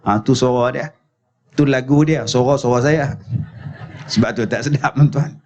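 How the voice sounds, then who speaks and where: A man's voice: medium pitch, moderate pace, darkish tone. A man with a Malaysian accent, a preacher telling stories at a religious lecture at a school, often calling the audience tuan-tuan, on a slightly muffled recording. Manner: storytelling, addressing audience as tuan-tuan.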